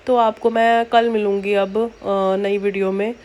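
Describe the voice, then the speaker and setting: A young woman narrates a travel vlog in a mid-range voice. Her intonation stays fairly flat as she explains things conversationally to her viewers. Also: medium pitch, moderate pace. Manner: chatty, explanatory. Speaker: vlogger.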